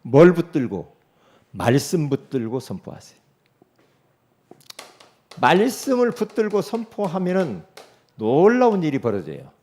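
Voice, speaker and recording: A middle-aged man preaching a sermon as pastor, emphatic, asking rhetorical questions and swinging between loud declarations and soft asides. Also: fairly high pitch, huge pitch swings, unhurried, long pauses.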